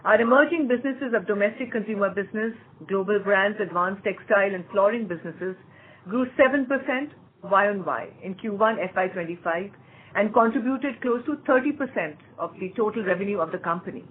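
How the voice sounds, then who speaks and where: A woman with an Indian accent reading a scripted earnings call presentation in a formal, measured way, as a company executive. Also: medium pitch, breathy edge. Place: conference call. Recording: muffled phone-like conference call line.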